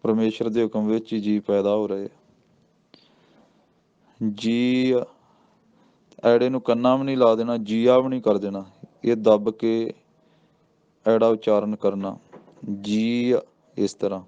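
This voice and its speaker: Slow, low-voiced man teaching recitation. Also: flat delivery, dark tone, clean tone, dull audio. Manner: slow, deliberate chanting of verses between plain explanations. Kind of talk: slow scripture pronunciation lesson. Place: Sikh religious school.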